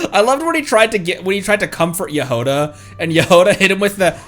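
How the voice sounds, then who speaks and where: Rambling male streamer, lively swooping pitch. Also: fast. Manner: playful, rambling. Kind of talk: casual livestream chat.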